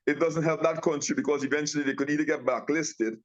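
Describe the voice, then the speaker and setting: A man's voice: fairly high pitch, steady tone, fast. Man from Guyana on a dull remote call. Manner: rambling, with many restarts and fillers. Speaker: guest, tea company owner. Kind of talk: casual interview talk.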